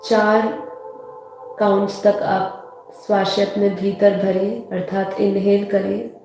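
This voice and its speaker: A woman with an Indian accent guiding a meditation, unhurried and soothing, repeating phrases as she gives instructions. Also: medium pitch, little pitch movement, vocal fry. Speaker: meditation guide. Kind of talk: slow guided meditation instruction. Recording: heavily echoing voice over soft music.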